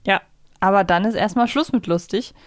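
A woman's voice: medium pitch, normal speed, no room sound, studio quality. A woman co-hosting a podcast, chatting casually as she recaps a story. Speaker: podcast co-host. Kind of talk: casual chat recapping an episode.

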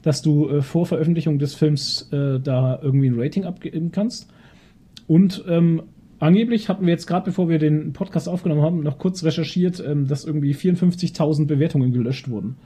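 A man's voice: fairly high pitch, a little fast, dark tone, slightly rough. A man hosting a casual podcast chat. He talks with many fillers and rants with frustration. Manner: hesitant, many fillers, ranting. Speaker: podcast host.

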